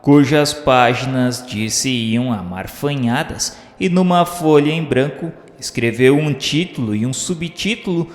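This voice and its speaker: A man with a Brazilian accent narrating a radio novel in a solemn, literary, theatrical way. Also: medium pitch. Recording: echoey, long reverb, music underneath.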